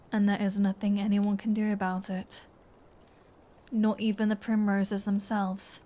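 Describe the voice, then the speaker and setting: A woman playing a flirty, taunting vampire in an ASMR audio roleplay, smug and playful, dropping into breathy whispers. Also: medium pitch, dark tone, slight background noise, lightly acted. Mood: coolly threatening.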